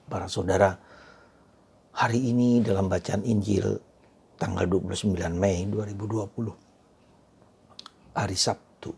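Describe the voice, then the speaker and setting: A man preaching a sermon after an opening prayer, moving between soft whispered phrases and loud emphatic lines. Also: fairly low pitch, steady tone, measured pace, gravelly, long pauses, husky. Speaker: priest.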